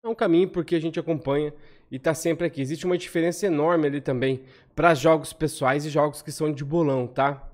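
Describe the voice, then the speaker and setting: Brazilian man, thirties, slightly high voice, casual screen-share walkthrough, quick chatty delivery, tag questions. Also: steady tone. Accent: Brazilian Portuguese. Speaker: lottery analysis host. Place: home room, on webcam over screen share.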